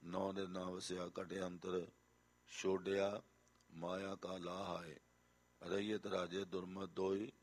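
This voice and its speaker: A man reciting scripture in a slow, measured chant with a melodic lilt, sometimes repeating lines. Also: deep voice, darkish tone.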